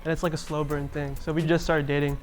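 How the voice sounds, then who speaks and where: A man's voice: a little high, level tone, quick pace, soft background music. Twenty-year-old man, casual and chatty. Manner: casual, filler-heavy. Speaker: dating show contestant.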